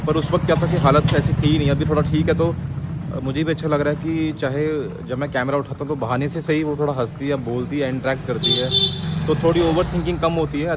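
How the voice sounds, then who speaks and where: Joking young man vlogging over noise. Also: a little high. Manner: joking, teasing banter. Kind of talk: casual vlog chat.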